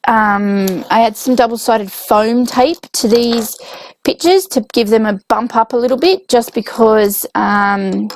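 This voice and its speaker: A woman with a young child, hoarse from illness, casually narrating her scrapbook process with lots of ums and self-corrections. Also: a little high, fairly even intonation, unhurried, a little hiss or hum. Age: adult with a young child. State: hoarse, voice coming and going from illness. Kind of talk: casual voice-over narration of a craft video.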